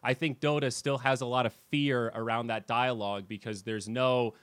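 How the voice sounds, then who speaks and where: A man hosting a podcast in casual chat, telling animated stories with swearing and restarts. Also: medium pitch, moderate pace, clear, resonant tone, no room sound. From United States. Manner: animated storyteller who swears and restarts sentences. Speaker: podcast host and esports commentator.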